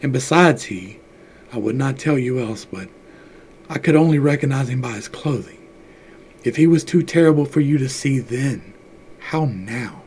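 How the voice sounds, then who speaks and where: A man's voice: medium pitch, expressive, moderate pace, a little mellow, slight background noise, close to an everyday voice. A man reading aloud voices a frightened, grieving old man with faltering, unsteady speech. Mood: shaken.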